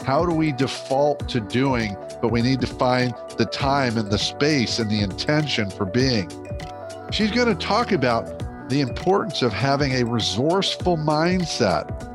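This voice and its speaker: A man's voice: mid-range voice, very animated, a little slow, music in the background. A man, hosting a podcast and introducing the show and its guest. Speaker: podcast host.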